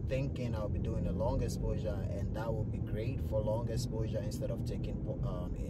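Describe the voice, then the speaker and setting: A man's voice comes through loud background noise. The sound is dry with no echo. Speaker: film photographer vlogger. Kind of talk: casual vlog chat. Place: car. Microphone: phone near.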